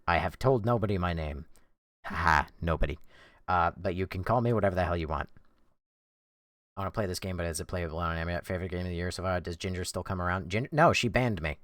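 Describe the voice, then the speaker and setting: A young man streaming a game live, reading chat sarcastically and shrieking when the game scares him, his voice going hoarse. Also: sits low, fast, a bit bright, no echo, studio quality. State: losing his voice.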